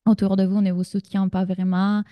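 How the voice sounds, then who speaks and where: A woman's voice: mid-range voice, level tone, a little fast, dry recording, dull audio. A woman from Sardinia in her thirties with an Italian accent, leading a live online masterclass as a business coach and chatting directly with her audience. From Sardinia, Italy.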